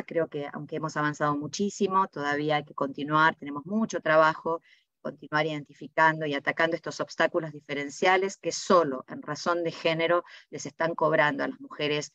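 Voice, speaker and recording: A woman's voice: sits low, fairly bright tone, no room sound. A woman giving a prepared talk over a video call, making her points emphatically with rhetorical questions. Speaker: panel speaker, presenter. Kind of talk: prepared slide presentation. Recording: muffled dry video-call audio.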